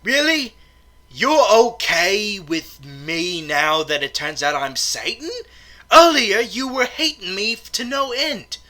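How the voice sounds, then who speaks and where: A woman's voice: medium pitch, very animated, slow pace, pushed and bright, exaggerated voice. A woman playing Lucifer, a boastful, teasing devil supervillain, in a theatrical, emphatic comedy skit style. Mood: casual, teasing.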